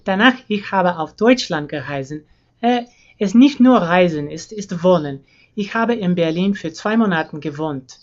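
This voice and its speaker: Low-voiced American woman, dull recording. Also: animated, a little mellow. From United States. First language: English. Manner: plain, unhurried tour, naming household words one by one. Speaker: language learning vlogger. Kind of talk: casual home vlog. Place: her room and house.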